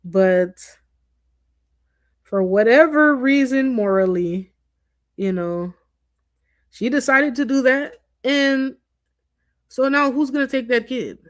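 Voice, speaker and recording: A woman's voice: sits high, expressive, takes it slowly, long pauses. Rambling woman chatting to her stream. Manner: rambling, conversational, with restarts and asides. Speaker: livestream host. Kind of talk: casual commentary to viewers.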